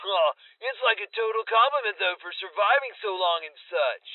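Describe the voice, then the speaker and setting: A dim, earnest dude in a radio drama. His voice is high and full of slacker slang. The sound is dry and thin, like a radio transmission. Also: animated, moderate pace, no room sound, narrow, tinny audio. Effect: radio transmission filter.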